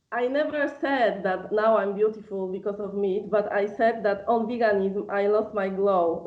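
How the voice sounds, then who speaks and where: A woman with a Polish accent and medium pitch, at a moderate pace with fairly even intonation and hardly any pauses. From Poland. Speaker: carnivore diet advocate. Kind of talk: debate. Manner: halting.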